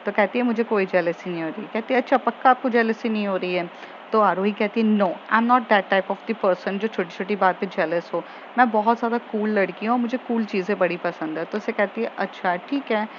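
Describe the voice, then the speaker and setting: A woman's voice: mid-range voice, fairly quick. Woman casually recapping a story episode, chatty with lots of um's, kinda dull lo-fi mic, faint hiss. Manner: chatty, retells scenes with quoted dialogue and fillers. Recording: dull lo-fi audio with faint noise.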